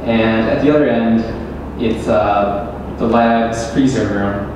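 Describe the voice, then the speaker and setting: A man's voice: lowish voice, steady tone. Young guy cross-examining, lots of uhs, far-off echoey room, noisy background. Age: young adult. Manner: measured, leading questions with hesitant fillers. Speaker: student debater. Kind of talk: formal debate, cross-examination. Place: large echoey university hall. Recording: echoey hall, distant mic, background noise.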